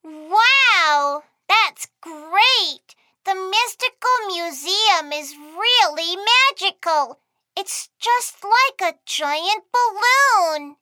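A squeaky little cartoon princess. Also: female voice, lively intonation, very slow, sharp tone, no room sound, clean studio sound, exaggerated voice. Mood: excited. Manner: squealing, giggly, wide-eyed. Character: excited little girl princess. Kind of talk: children's cartoon voice acting.

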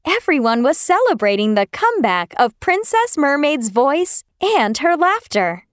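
A woman narrating a children's story in an expressive, exclamatory storytelling manner. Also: high voice, measured pace, dry recording, studio quality.

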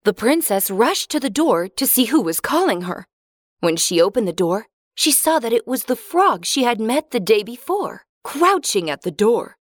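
A woman narrating a fairy tale for children in a clear, expressive reading. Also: fairly high pitch, moderate pace, no room sound, clean studio sound.

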